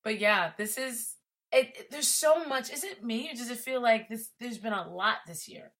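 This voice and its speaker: A woman guest on a podcast, chatting casually in an animated way with quick asides and frequent laughs. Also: on the high side. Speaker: podcast guest, entertainment writer. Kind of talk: casual chat.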